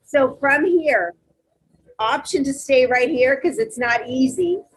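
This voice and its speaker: A woman teaching a live online yoga class, cueing poses step by step in a loud, encouraging, chatty way over a video call. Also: high-pitched, slow pace, husky, rough recording. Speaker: yoga instructor.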